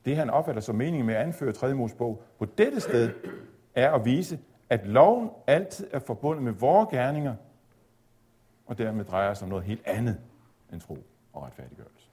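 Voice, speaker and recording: A man giving a measured, explanatory theology lecture, at times pausing on fillers. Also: mid-range voice, sing-song, mellow, husky. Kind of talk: spoken lecture on Luther's reading of Galatians.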